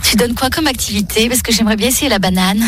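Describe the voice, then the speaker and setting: A woman's voice: a little high, fast, a bit bright. A woman co-hosting a radio show who chats casually and teases the caller playfully. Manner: teasing, playful. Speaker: radio co-host.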